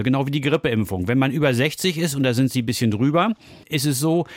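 A man speaking as a doctor, giving reassuring medical advice in simple, explanatory terms. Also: medium pitch. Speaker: doctor answering callers.

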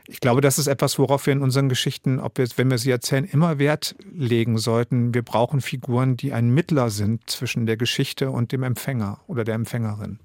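A man's voice: medium pitch, fairly even intonation, a little fast, few pauses, darkish tone, no room sound, studio quality. Reflective German man in his fifties. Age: 50s. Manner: reflective, self-mocking, with ähm fillers. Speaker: guest, radio drama director and author. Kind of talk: relaxed radio interview.

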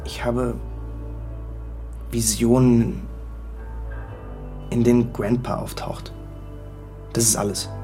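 A sardonic teenage boy who teases his sister with crude slang and sounds gloomy underneath. His voice sits at a middle pitch. Music runs clearly under this radio play. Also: little pitch movement, slow pace, pauses often, dark tone. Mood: uneasy.

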